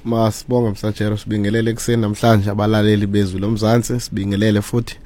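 A man's voice: fairly low pitch, level tone, fast, dark tone. A South African man speaking as a spiritual guest on the radio, greeting listeners formally and reciting long lists of names and praise names before teaching.

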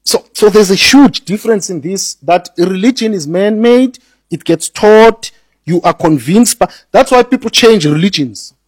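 A man's voice: sits high, measured pace, no room sound. A man speaking as a radio guest, teaching earnestly about spirit and religion, often repeating words as he builds a point and slipping into Zulu.

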